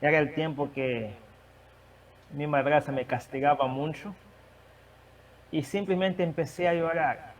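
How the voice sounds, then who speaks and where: A man who is not a native Spanish speaker, preaching and sharing a testimony, with a halting manner and many restarts. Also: fairly high pitch, fairly even intonation, distant mic. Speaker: guest preacher. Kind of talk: sermon testimony.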